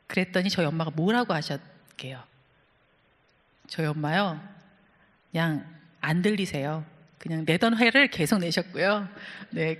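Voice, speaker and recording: A woman's voice: medium pitch, sharp tone. A woman pastor preaching a sermon, telling stories and asking the congregation questions. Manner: storytelling, asks the congregation questions. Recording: church hall reverb.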